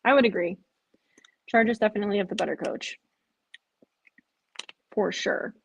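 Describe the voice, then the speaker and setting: A woman's voice: mid-range voice, normal speed, gravelly, husky, muffled recording. A woman hosting a live stream, chatting casually with viewers, sounding tired and rambling. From Chicago area. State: drowsy, yawning.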